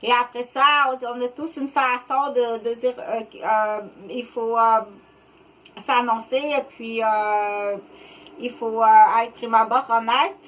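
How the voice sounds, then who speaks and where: Woman, 50s, Québécois accent, unscripted vlog monologue, halting and rambling, slightly high voice. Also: little pitch movement, rough recording. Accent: Québécois French. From Quebec, Canada. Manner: rambling, halting, many "euh" fillers and restarts. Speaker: vlogger.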